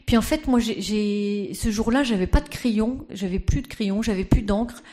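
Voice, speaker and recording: A woman's voice: mid-range voice, moderate pace, mellow, pitched above the performer's own voice, close to an everyday voice. A woman doing an impression of a droll, cheerful elderly Danish woman with a strong Danish accent in French. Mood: teasing, droll. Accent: Danish, put on in French.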